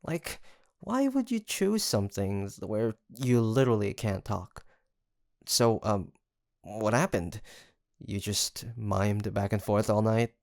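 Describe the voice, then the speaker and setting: A man's voice: on the low side, expressive, slow, vocal fry, dry recording, studio quality, full character voice. A man playing a sweet young male roommate and best friend in an intimate roleplay audio, teasing and chatty with a playful storytelling streak. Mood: amused, teasing. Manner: teasing, chuckling, mock-grandiose storyteller.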